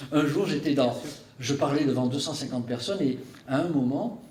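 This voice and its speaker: A man speaks at a fairly high pitch. Noticeable background noise and audible room echo surround his voice. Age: 60s. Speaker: traditional Chinese medicine practitioner. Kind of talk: interview. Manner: hesitant, repeats words.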